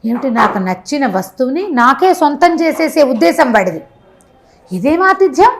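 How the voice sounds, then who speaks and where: A proud Caliph disguised as a merchant guest, voiced by a woman storyteller, speaks in a high, voice. The delivery is emphatic and questioning, as in a bedtime tale told aloud. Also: very animated, moderate pace, background noise. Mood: indignant.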